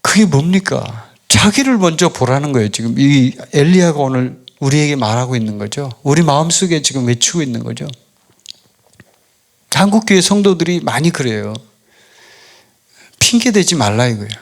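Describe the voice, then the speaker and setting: Male pastor preaching hard, high voice swinging all over, repeats stuff then goes quiet. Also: lively intonation, normal speed, gravelly. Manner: emphatic preaching, repeats key words, drops to low quiet endings. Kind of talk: sermon. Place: church service broadcast online.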